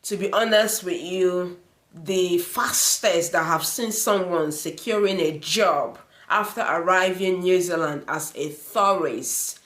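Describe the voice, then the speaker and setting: Slow-talking woman vlogger, echoey room. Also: on the low side, fairly bright tone. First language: not English. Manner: earnest, repeats herself, many um fillers. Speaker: immigration vlogger. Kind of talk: advice vlog to the camera.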